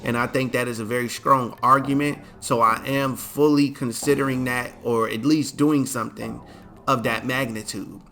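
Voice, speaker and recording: A relaxed man rambles through casual gaming commentary in slangy talk. He sounds sleepy and keeps stifling yawns. His voice is bright and forward, sitting at an ordinary male pitch. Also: normal speed. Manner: laid-back, chatty, slangy. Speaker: gaming video host.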